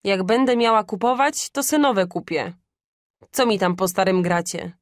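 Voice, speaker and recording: A woman's voice: mid-range voice, normal speed, no echo, clean studio sound, close to an everyday voice. A woman voicing a spiteful female caretaker who dismisses an offer curtly. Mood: dismissive. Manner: curt and dismissive.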